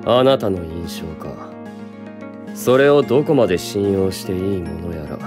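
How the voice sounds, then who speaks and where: Very low-voiced, stern young producer. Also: male voice, animated, moderate pace, music in the background. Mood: cold, distrustful. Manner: cold, curt, commanding. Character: stern, rigid, arrogant young male producer. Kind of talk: anime-style voice drama acting.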